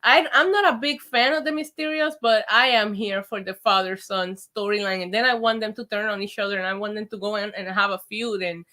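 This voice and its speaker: Bright, animated Puerto Rican-New York woman. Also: mid-range voice, fairly quick, hardly any pauses. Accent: mixed Puerto Rican and New York. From Puerto Rico. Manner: animated, opinionated, laughs often. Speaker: podcast co-host. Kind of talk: casual chat.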